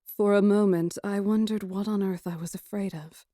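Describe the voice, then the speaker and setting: A woman narrates scripted fantasy fiction in the first person. Her delivery is dramatic and expressive, with a mid-range pitch. The sound is dry, free of room echo. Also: normal speed. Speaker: audiobook narrator.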